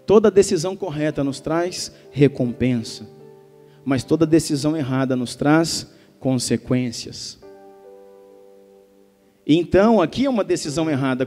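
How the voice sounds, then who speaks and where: A Brazilian pastor preaching with emphatic swings between hushed and loud passages. His voice is mellow and sits a bit high. It rings in a long church reverb over soft music. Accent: Brazilian Portuguese. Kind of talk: sermon.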